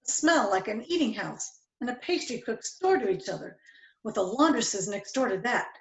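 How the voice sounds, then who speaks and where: A woman playing a kindly, good-humoured father in a storybook play, expressive and affectionate. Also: fairly high pitch, normal speed. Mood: excited. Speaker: amateur reader, library staff. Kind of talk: dramatic reading of a classic story. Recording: echoey room.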